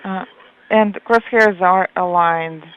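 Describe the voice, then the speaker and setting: A woman's voice: on the low side, slow pace. A woman giving a live translation voice-over as interpreter, hesitant and full of filler sounds as she renders controllers' words. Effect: live translation voice-over on an audio loop. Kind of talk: simultaneous interpretation of flight control talk. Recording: narrow phone-like radio loop.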